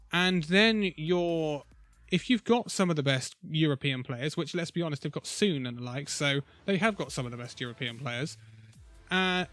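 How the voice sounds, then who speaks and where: A man who is a little ill and losing his voice gives an opinionated, conversational esports roundup with pauses. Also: on the high side, a bit bright, dry recording. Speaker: esports video host. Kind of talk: casual esports commentary vlog.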